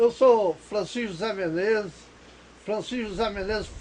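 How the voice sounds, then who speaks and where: A man talks in a high-pitched voice. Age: 70s. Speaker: local elder recounting town history. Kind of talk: interview testimony.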